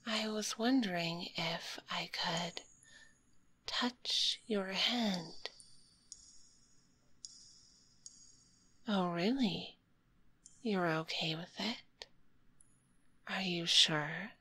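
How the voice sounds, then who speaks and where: A kind, cuddly spider girl acted out by a woman whispers very slowly in an ASMR roleplay. Her voice is breathy and fairly low, with a soothing, curious, politely formal manner, right up close on a binaural mic. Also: heavily acted. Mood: tender, shy. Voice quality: breathy, hushed. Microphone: close binaural microphone.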